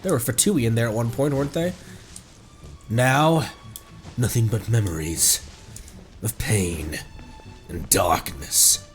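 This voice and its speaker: A man's voice: medium pitch, slow, long pauses. A man giving casual, playful commentary on a game livestream. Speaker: streamer. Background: game music.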